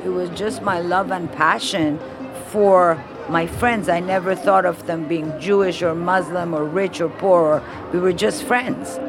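A woman's voice: on the low side, fairly even intonation, measured pace. A woman speaks affectionately in an interview. Music plays behind her voice. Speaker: reunion organizer.

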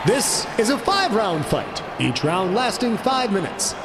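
A man voicing a male ring announcer who stretches and shouts his words to hype a crowd. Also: high-pitched, big pitch swings, measured pace, very noisy, pitched above the performer's own voice, exaggerated voice. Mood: booming. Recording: roaring crowd behind.

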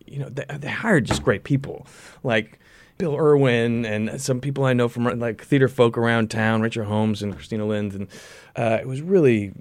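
A man's voice: mid-range voice, normal speed. A man speaking as an actor being interviewed, casual and self-deprecating, often searching for his words.

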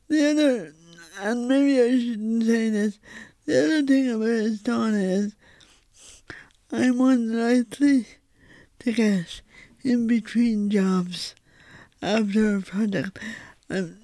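Halting and thoughtful, an Irish guest playwright repeats words as she gropes for them during a reflective conversation. She has a dark-toned voice on the high side, recorded with no room sound.

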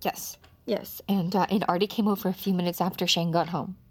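A woman's voice: fairly low pitch, steady tone, brisk, husky. A woman playing a desperate mother whose young son has vanished, pleading and strained. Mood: worn down. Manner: strained, pleading, cracking into shouts. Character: frantic young mother searching for her son. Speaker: mother of a missing boy, narrator. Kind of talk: audio drama acting and narration.

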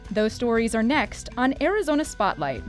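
A woman hosting a radio show, narrating a scripted feature in an upbeat, lively storytelling manner. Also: a little high, moderate pace, over music. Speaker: radio host.

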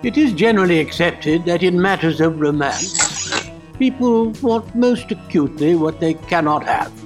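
Formal, highish-voiced adviser. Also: male voice. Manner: precise, detached, formal. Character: coolly logical, formal male adviser on romance. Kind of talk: comedic radio play acting.

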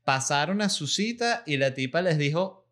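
A Venezuelan man, a comedian and podcast host, telling a lively, salty anecdote in casual chat. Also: a little high, normal speed. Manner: lively anecdote-telling, salty language, acts out quoted voices.

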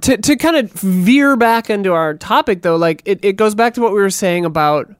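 A man's voice: high voice, lively intonation, normal speed, clean tone, no room sound, studio quality. A man co-hosting a podcast, chatting casually about film with many fillers and some swearing. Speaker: podcast co-host.

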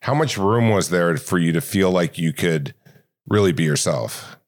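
A man with a very deep voice hosts an interview. He asks long, wandering questions and builds them as he speaks. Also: lively intonation, normal speed. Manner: probing, thinks aloud in long questions. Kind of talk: conversational interview.

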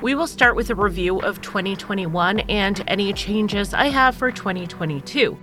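A woman's voice: mid-range voice, expressive, moderate pace, over music. A woman hosting her podcast alone, chatting straight to listeners in an organized way, a little stuffy from a cold. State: recovering from a cold, slightly nasal. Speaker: podcast host. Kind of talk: casual solo podcast monologue.

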